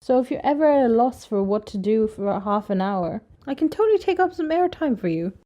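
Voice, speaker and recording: Woman playing a mellow, cheeky flirt. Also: fairly high pitch, lively intonation, brisk, close to an everyday voice. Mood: flirty. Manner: coy, suggestive. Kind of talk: audio drama acting.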